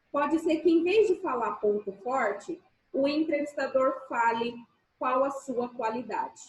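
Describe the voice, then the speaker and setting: A woman's voice: high voice, darkish tone, reverberant, poor audio. A woman teacher giving an online class lecture, chatty and joking, often checking in with her students.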